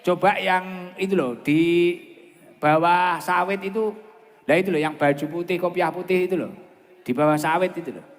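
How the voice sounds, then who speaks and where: A man with a Javanese accent preaching informally over a PA at a large gathering, chatting and bantering with the crowd as he repeats phrases. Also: moderate pace. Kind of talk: informal sermon with asides to the crowd. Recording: long booming reverb of an outdoor PA.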